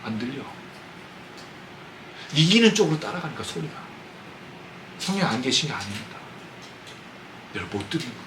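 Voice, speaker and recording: A man's voice: medium pitch, very animated, moderate pace, pauses often, noisy background. A man preaching a Sunday sermon, talking conversationally and asking his congregation questions. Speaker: pastor. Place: church sanctuary.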